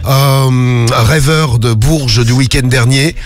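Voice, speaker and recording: A man's voice: mid-range voice, slow, no room sound, soft background music. Joking male radio host, dry studio. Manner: relaxed, joking, many fillers. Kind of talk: live call-in radio chat.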